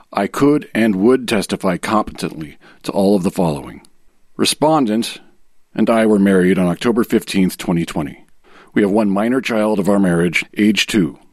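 A man reading a legal declaration aloud in a formal, measured way, as a guest reader. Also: sits low, no echo, studio quality. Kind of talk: dramatic reading of a legal affidavit.

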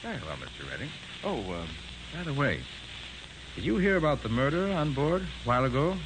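A shrewd male detective from an old radio crime drama. He is self-assured and coolly polite, with very lively pitch. The recording is noisy, 1940s radio. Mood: politely needling. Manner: brisk, coolly polite, probing.

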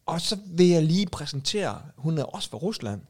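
Gravelly, lively male podcast host. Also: fairly high pitch. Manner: storytelling, animated, laughs often. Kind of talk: casual chat.

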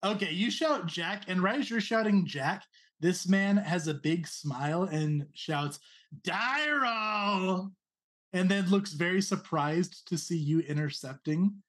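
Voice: mid-range voice, unhurried. A game master narrating a tabletop role-playing game in a descriptive, amused way.

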